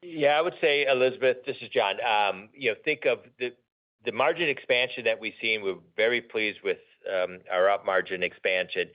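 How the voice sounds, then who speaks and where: A man speaking as a company executive, answering questions off the cuff in a measured way, often rephrasing himself. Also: on the low side. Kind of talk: unscripted earnings call answers. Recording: dull, band-limited conference call audio.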